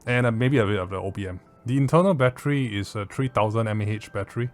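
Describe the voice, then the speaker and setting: Talking fast in a lowish voice, this Southeast Asian man, who reviews audio gear and has a Southeast Asian accent, delivers a blunt, informal take on a product with some mild swearing. Faint music plays behind him.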